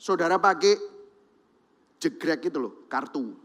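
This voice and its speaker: A man's voice: a little high, unhurried. A man preaching a sermon in Indonesian with a Javanese-influenced accent. He speaks straight to the congregation and acts out the voices of the people in his examples. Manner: lively, talks to the congregation directly, acts out quoted voices. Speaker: pastor. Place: large church hall. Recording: long reverb of a large church hall.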